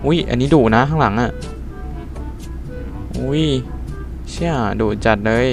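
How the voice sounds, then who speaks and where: Gamer man, off-the-cuff play commentary, salty and chatty, steady mid voice, game music underneath. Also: medium pitch, a little slow. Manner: loose, swearing, talks to himself while playing. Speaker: gaming YouTuber.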